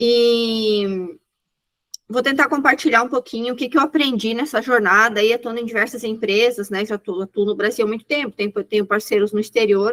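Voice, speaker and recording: In a southern Brazilian accent, a woman talks at a moderate pace with a fairly high pitch and fairly even intonation. The sound is dry and close, with no echo. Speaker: innovation executive and speaker. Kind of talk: online presentation.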